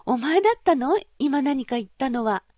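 A woman voicing a pampered, petulant young princess in a storybook reading, high and girlish. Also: lively intonation, normal speed, darkish tone, no echo, studio quality. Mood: tearful. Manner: high girlish pleading, haughty. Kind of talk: audiobook character voice.

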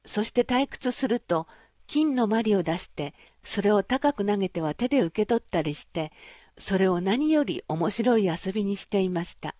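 A woman reading a fairy tale aloud as an audiobook narrator, in a measured, gentle, formal way. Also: mid-range voice, animated, no echo, studio quality.

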